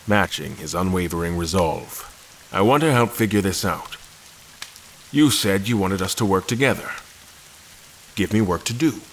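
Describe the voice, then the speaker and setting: Low male voice: brooding, calculating prisoner narrating an audio drama, measured and formal, faint rain hiss. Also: fairly bright tone, poor audio. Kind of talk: first-person scripted audio drama narration.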